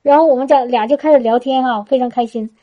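High-voiced woman giving a church testimony. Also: fairly even intonation, fast talker, lo-fi sound. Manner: chatty, with frequent restarts and a tag particle at phrase ends. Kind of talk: testimony storytelling to a congregation.

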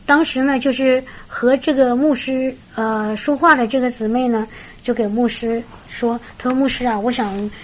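A woman preaching through a lively story, chatty and full of fillers. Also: on the high side, moderate pace, poor audio. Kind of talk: storytelling sermon.

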